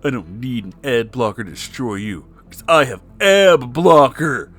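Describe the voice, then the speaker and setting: A man's voice: medium pitch, very animated, measured pace, a bit bright, soft background music. A man voicing a muscular, righteous cartoon cat hero in a comic story, declaiming with earnest bravado. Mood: boastful.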